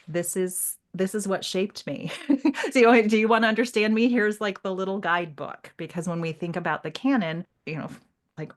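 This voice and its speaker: A woman co-hosting a literary podcast, chatting casually and animatedly, slipping into imagined quotes as she makes her point. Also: low voice.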